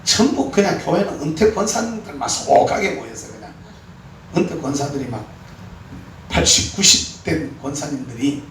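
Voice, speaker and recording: A man preaching a sermon as pastor, exhorting with animated, emphatic peaks. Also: a little high, moderate pace. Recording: echoey hall, mic far off, faint room noise.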